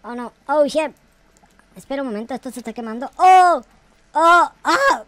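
A woman's voice: high-pitched, animated, moderate pace, a bit bright, no echo. A woman playing a panicky bragging noob kid. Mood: panicked. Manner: boastful, panicky, exclaims with cries. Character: bragging clueless noob kid scared of mom. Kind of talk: game role-play commentary.

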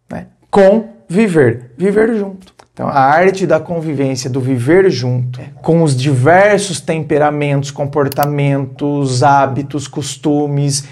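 A man's voice: a little high, a little mellow. A man with a Brazilian accent giving relationship advice in a casual vlog, talking directly to his viewers in a conversational way.

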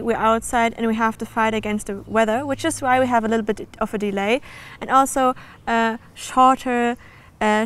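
A woman's voice: a little high, smooth. A woman in her twenties presenting and interviewing casually as a show host. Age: 20s.

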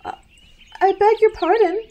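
A woman's voice: very high voice, steady tone, normal speed, warm tone. A woman playing a chipper, dismissive, stubbornly optimistic young college student in a radio play. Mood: breezy, dismissive.

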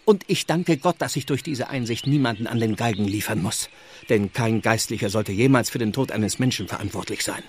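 An actor playing a grave, devout village reverend who speaks solemnly and deliberately in an audio drama. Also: male voice, on the low side, a little hiss or hum, close to an everyday voice. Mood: solemn confiding. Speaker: actor in a radio play. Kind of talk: German audio drama acting.

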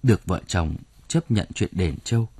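Expressive, husky male audiobook narrator. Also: low voice, normal speed, no room sound. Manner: expressive storytelling. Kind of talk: scripted narration.

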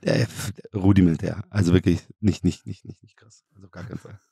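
A man's voice: low voice, gravelly, breathy edge, no room sound, studio quality. A man from Germany with a Bavarian accent, chatting as a podcast guest and telling stories with lots of laughter and restarts. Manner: fast, animated storytelling, laughs often, many restarts. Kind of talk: casual chat.

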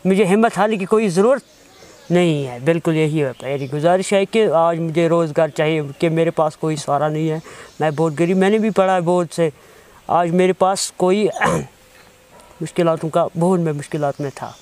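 A young man with a Kashmiri accent answering interview questions earnestly, in halting, repetitive phrases. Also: fairly high pitch, darkish tone. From Kashmir, India. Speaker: interviewee, mobile phone mechanic. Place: outdoors on a lawn beside a wooden house.

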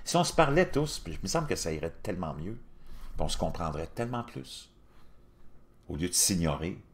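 A man's voice: sits low, very animated, fairly quick. A middle-aged man with a Quebec French accent, talking casually to his viewers in a blunt, crude, colloquial and philosophizing way. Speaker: YouTube channel host.

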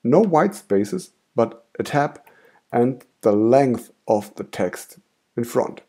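A man with a German accent, a native German speaker, calmly explaining software steps in a screen-recorded tutorial. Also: mid-range voice, slow pace, husky. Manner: calm step-by-step explaining. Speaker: tutorial host.

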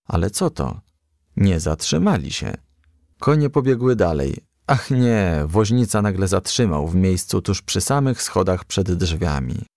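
A man reading a children's story aloud in a gentle storytelling manner. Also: lowish voice, vocal fry, dry recording, clean studio sound. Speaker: audiobook reader.

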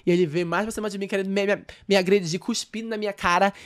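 A woman's voice: medium pitch, no room sound, studio quality. A trans woman, a dancer and podcast guest, telling a story in a casual interview and acting out what others said. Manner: fast, animated retelling that acts out others' quoted speech. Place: podcast studio.

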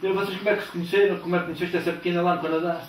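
An older man interviewing a couple in a living room, asking slow, hesitant, friendly questions into a handheld mic. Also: high-pitched, flat delivery. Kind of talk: casual TV interview. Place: living room of a house, indoors. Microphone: handheld microphone. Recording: roomy, distant, faint background noise.

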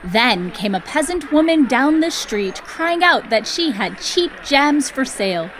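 A woman host reading scripted storybook narration in a clear storytelling delivery. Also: high voice, very animated, unhurried, a bit bright, slight background noise.

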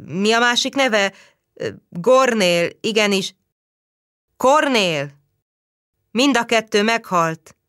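A woman's voice: a little high, lively intonation, long pauses, a bit bright, dry recording, clean studio sound, voice pushed up. A woman voicing a stern, burly peasant policeman who barks orders. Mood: commanding. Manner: barking orders.

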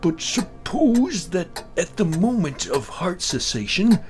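A man performs an elderly male doctor in a horror tale, genial but insistent. The voice is pitched high and leaps about with theatrical emphasis. He argues slowly and deliberately over clearly audible music. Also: sing-song, a little mellow, exaggerated voice. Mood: insistent, excited. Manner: emphatic, theatrical, repeats himself. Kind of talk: dramatized horror story reading.

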